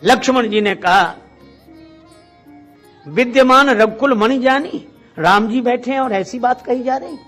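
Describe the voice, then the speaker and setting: A man's voice: very high-pitched, measured pace, pauses often, a bit bright, faint music behind. A man preaching a devotional Hindu discourse as a storyteller, posing rhetorical questions, acting out bits of dialogue and reciting verses. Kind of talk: devotional discourse retelling Ramayana episodes.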